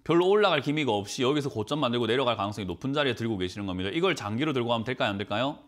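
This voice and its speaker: Fast, lively man advising on stocks. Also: mid-range voice. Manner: quick, rhetorical questioning, lively. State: has a cold. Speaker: stock market mentor. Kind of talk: financial advice call-in show. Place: TV studio.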